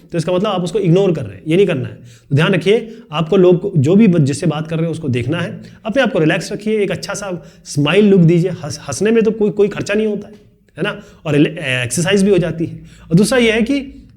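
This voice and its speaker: A man teaching a video lesson, explaining quickly and chattily with joking asides. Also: sits high, a little mellow. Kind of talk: fast classroom video lesson.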